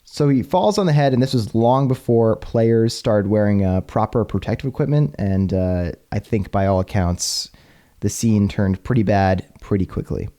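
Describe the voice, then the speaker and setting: A man hosting a casual history podcast, chatty and quick to laugh. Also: fairly low pitch, mellow. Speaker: podcast host.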